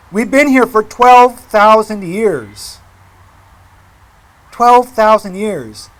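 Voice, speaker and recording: A man in his forties from Massachusetts gives an impassioned public speech at a rally, speaking emphatically with deliberate repetition. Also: high voice. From Mashpee, Massachusetts, United States. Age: 40s. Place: outdoor rally.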